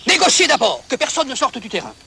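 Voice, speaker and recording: A stubborn, commanding army officer in a film comedy. The voice is high, bright and very changeable in pitch, with clipped military orders. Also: male voice, wildly swooping pitch, quick pace, vocal fry, slight background noise, full character voice.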